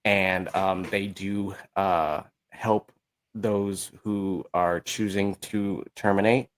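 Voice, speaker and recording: Guy guesting on a podcast, lowish voice, casual, kinda halting, hunting for words. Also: steady tone, rough recording. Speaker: podcast guest, musical creator. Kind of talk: casual chat.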